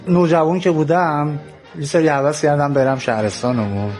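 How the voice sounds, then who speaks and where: A man's voice: on the high side, soft background music. A man from Iran casually telling a personal story from his workplace, acting out the people in it. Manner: lively storyteller, acts out voices. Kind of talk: casual spoken anecdote.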